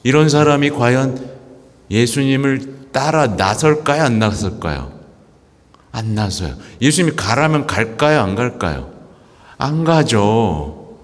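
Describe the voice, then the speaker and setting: A Catholic priest giving a conversational homily, asking the congregation questions and acting out believers' thoughts. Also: male voice, medium pitch, very animated, measured pace. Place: parish church. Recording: church hall reverb.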